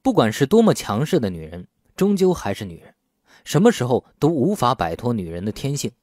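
Animated male audiobook narrator. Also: medium pitch, a little fast, no room sound, studio quality. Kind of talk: scripted novel narration with acted dialogue.

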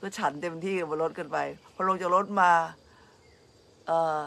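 A woman's voice: fairly low pitch, steady tone, normal speed, a bit bright. Chatty woman meditation teacher. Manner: chatty storytelling with laughs. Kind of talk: informal dhamma talk.

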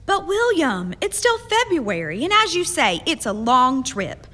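A woman's voice: high-pitched, sing-song, measured pace, sharp tone, exaggerated voice. An actress playing a spirited, persistent, hospitable frontier woman in a period radio drama, earnest, teasing and ready to argue. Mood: earnest, coaxing. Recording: long hall-like reverb.

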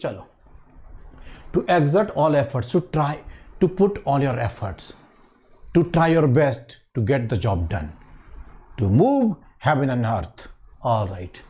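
A man with an Indian accent teaching English idioms in an online exam-prep lecture, switching between Hindi and English, repeating phrases slowly and asking students if they understood. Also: a little high, very animated, mellow. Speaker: English teacher for bank exams.

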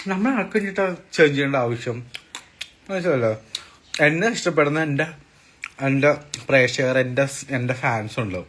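A man's voice: a little high, a bit bright. A young man chats to his viewers on a phone live stream from inside an apartment, casual and teasing. A faint hiss and the odd click sit under his voice. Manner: chatty, teasing, addresses viewers as guys. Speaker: vlogger doing a live stream. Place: apartment indoors.

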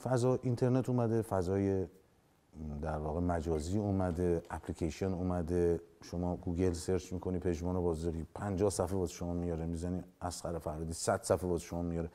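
A man's voice: deep voice, fairly even intonation, mellow. A man in his forties, an actor as a guest in a TV studio interview, talking emphatically and gesturing as he makes his case. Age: 40s. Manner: emphatic, gestures with hands, acts out quoted lines. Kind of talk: studio interview, animated opinion. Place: dark television studio set. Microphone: lapel mic.

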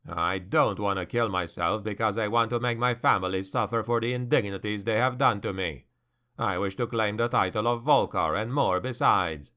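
A man's voice: on the low side, normal speed, sharp tone. A man voicing a grim, ambitious male noble warrior who speaks in a cold, defiant growl.

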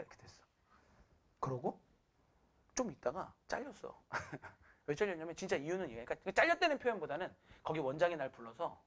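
A male teacher talks to his students in a quick, bouncing voice that leaps up and down. His voice sits a little high for a man, and he jumps into the voices of the people in his story. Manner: animated, acts out quoted people, laughs at himself. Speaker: math teacher.

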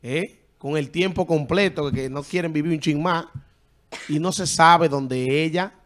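A man co-hosting a talk show, exclaiming and talking over others in excited casual chat. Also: fairly high pitch, unhurried.

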